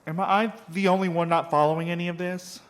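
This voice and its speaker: A man's voice: high voice, flat delivery, a little fast, lightly acted. A man playing a blunt, exasperated young courier in an audio drama, combative in manner. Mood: baffled, irritated.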